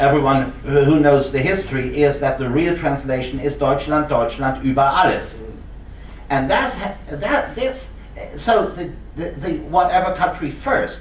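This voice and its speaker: A man with a German accent speaks at a fairly slow pace. Audible room echo and noticeable background noise surround his voice. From Germany. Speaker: diplomat. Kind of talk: panel discussion. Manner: halting.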